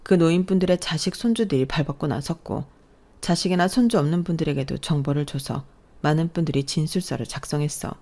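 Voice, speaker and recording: A woman telling her own story in calm, measured first-person narration. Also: deep voice.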